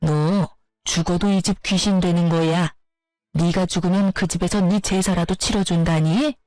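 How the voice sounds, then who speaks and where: A woman voicing a scornful middle-aged mother-in-law, lowered voice, berating, dry close sound. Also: steady tone, measured pace, darkish tone, dry recording, close to an everyday voice. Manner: harsh, contemptuous, berating.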